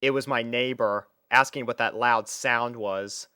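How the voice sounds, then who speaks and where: A man voicing a lonely, bewildered male college student in a deliberate, theatrical audiobook-style reading with dramatic pauses. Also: medium pitch, fairly even intonation, pushed and bright, clean tone, dry recording, clean studio sound. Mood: puzzled.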